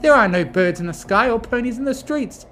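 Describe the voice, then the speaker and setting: A performer voicing a refined, fastidious female unicorn with a genteel, theatrical manner. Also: mid-range voice, lively intonation, a bit bright, faint music behind, pitched above the performer's own voice, lightly acted. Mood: delicate concern. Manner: genteel, theatrical, says darling.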